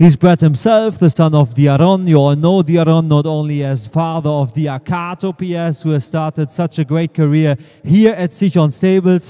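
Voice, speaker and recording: Music plays behind a man with a fairly high pitch. He speaks at a fairly slow pace with ordinary pitch variation. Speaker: auctioneer. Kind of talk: auction presentation. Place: hall. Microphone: handheld.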